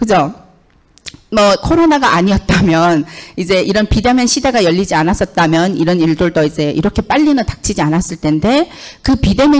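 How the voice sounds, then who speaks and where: The pitch swings very widely as the words come at a fairly quick pace. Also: woman. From China. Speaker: network marketing speaker, former teacher; speaker, former teacher. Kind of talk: business presentation lecture. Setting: seminar room with live audience. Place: classroom. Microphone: handheld.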